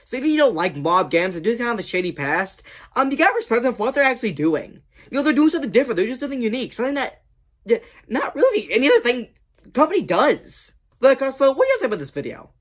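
A man's voice: very high-pitched, sing-song, fast. A young man casually commenting as host of a reaction video, recorded in a small room at home. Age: young adult. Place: small bedroom full of shelves, indoors.

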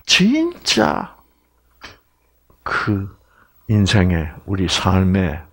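An older man lectures on health from a stage in a large hall, his deep voice drawing out words. He is animated, trading exclamations for hushed asides and back again.

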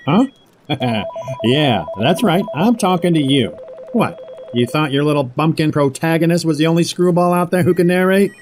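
An actor playing a cynical, foul-mouthed, self-important corporate boss in an audio drama, sarcastic and blustering. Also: male voice, medium pitch, a little mellow, natural voice. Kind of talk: audio drama monologue and phone dialogue.

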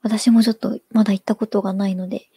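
A woman hosting a casual live stream, politely reading out viewer comments in a soft-spoken way. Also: mid-range voice, flat delivery, fast talker, breathy edge, no echo, studio quality.

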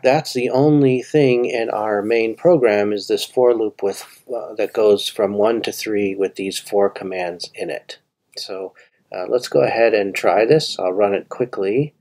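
A man's voice: on the low side, a little mellow. A man walking through a coding puzzle on screen, thinking aloud with fillers and restarts. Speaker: coding tutor. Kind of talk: screen-recorded coding walkthrough.

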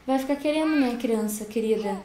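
Brief: high-pitched Brazilian woman, gushing gameplay commentary, echoey room with faint hiss. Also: brisk, dark tone. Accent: Brazilian Portuguese. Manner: chatty, gushing, talks to viewers. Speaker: gaming YouTuber. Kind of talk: casual let's-play commentary.

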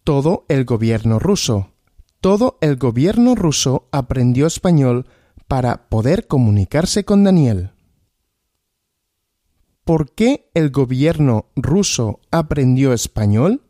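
A man teaching Spanish through a story, asking questions and answering them himself, repeating each answer slowly. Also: medium pitch, very animated, mellow, no room sound, clean studio sound. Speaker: Spanish teacher, podcast host.

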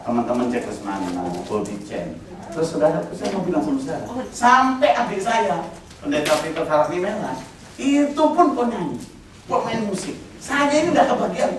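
A middle-aged male pastor with a fairly high voice tells funny stories from the pulpit, chuckling through his own jokes and calling out to his listeners. He sounds distant and washed in heavy hall echo. The congregation murmurs and laughs behind him. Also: big pitch swings, normal speed, crowd noise. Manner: jokey, laughing often, addresses the congregation directly. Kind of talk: humorous sermon storytelling. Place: church hall at a revival meeting. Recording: very echoey hall, voice from far off, congregation audible. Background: congregation noise and laughter.

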